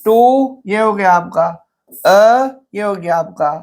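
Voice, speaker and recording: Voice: medium pitch, fairly even intonation, normal speed, gravelly. An English literature teacher giving an exam-prep lecture, patiently counting syllables aloud, asking rhetorical questions and mixing English terms into the explanation.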